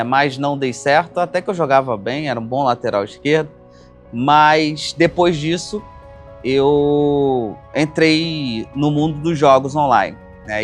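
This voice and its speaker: Casual man telling his story. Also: medium pitch. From Brazil, Rio de Janeiro. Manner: casual, narrates with frequent "né?" tags. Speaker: company founder. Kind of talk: documentary-style personal storytelling.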